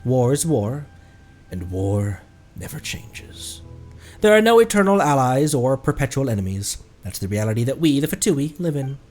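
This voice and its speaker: A man's voice: mid-range voice, very animated, normal speed, darkish tone, soft background music. Man voicing a solemn, devoted game soldier. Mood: grave, resolute. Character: solemn Fatui soldier pleading for a lost comrade.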